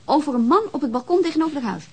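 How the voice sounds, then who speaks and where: A high, animated voice as a teenage daughter in a radio play. She is chatty and inquisitive, her intonation skipping up and down. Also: very fast. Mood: curious, animated. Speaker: radio drama actor. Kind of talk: naturalistic radio drama acting.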